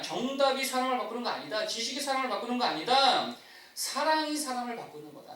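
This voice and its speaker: A male pastor preaching a sermon in a church, often asking the congregation questions. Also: high-pitched. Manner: animated, asks the congregation questions. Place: church sanctuary. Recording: echoey church hall, distant mic.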